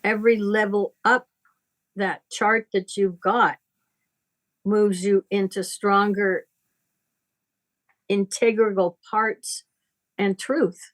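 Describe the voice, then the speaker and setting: A woman speaking conversationally as a spiritual teacher, deliberate and emphatic, with a moralizing way of talking. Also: medium pitch, fairly even intonation.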